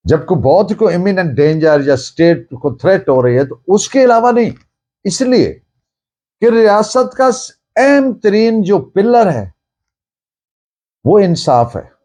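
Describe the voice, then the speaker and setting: A man with a Pakistani accent giving a lecture in a deliberate, emphatic, didactic way, mixing in English phrases. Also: high-pitched, very animated, dark tone. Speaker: law lecturer. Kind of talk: lecture on evidence law, dictating citations.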